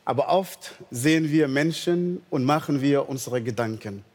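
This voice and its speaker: Guy preaching, earnest and slow, long echo around him. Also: medium pitch, darkish tone. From northern Sudan. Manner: earnest, slow storytelling with non-native German grammar. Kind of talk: sermon with personal testimony.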